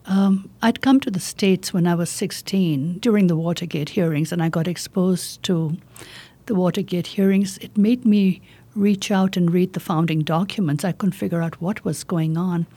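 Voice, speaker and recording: A woman in her fifties speaks with a slight South Asian accent and a soft-edged, husky tone. She gives earnest, conversational interview answers in deliberate short phrases, her timbre dark and mellow. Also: lowish voice. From India and Pakistan. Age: 50s. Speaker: political candidate, interview guest.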